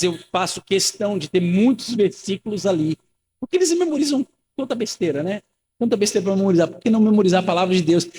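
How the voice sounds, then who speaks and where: High-voiced preacher in a reverberant church. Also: male voice, a little mellow, slight background noise. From Rio de Janeiro, Brazil. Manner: earnest, conversational preaching with rhetorical questions and repeated phrases. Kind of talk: sermon. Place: church sanctuary.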